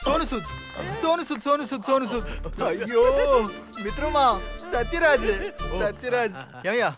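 An excitable bossy film director. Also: male voice, very high voice, normal speed. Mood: gushing. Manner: exclaims loudly, repeats words, gushes. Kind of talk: comic film dialogue. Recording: film soundtrack with loud music behind.

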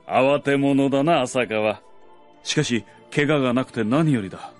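A man performs a kind nobleman in a Japanese radio drama. His mid-range voice is refined and considerate, with soft music underneath. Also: mid-range voice, moderate pace, lightly acted. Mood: tender, relieved. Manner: gentle, considerate, polished. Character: kindly, refined nobleman, gentle master to his maid.

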